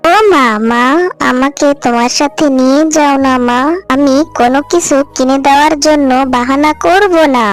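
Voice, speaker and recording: A woman voicing a young girl fox cub in a cartoon, pleading with her mother again and again. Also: high voice. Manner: whiny, pleading. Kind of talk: cartoon voice acting.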